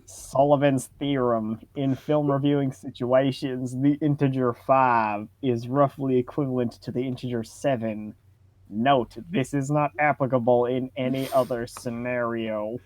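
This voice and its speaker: Man, medium pitch, dry sound, amused, mock-formal, comic banter and post reading. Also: steady tone, unhurried, darkish tone, no room sound. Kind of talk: comic reading of social media posts with banter.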